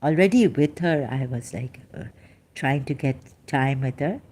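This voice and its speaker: A woman with a low, mellow voice talks through a personal monologue. She stops often, fills gaps with hesitations and restarts her phrases while she hunts for words. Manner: halting, searches aloud for words, many fillers and restarts. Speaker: vlogger.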